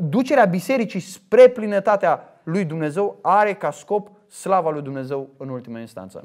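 A man preaching a sermon, swinging between loud emphatic lines and quiet asides, sometimes acting out imagined speech. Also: on the high side.

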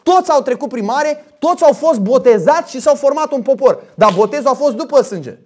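A man preaching a sermon, emphatic and forceful, often checking in with his listeners through quick rhetorical questions. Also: extremely high pitch, animated.

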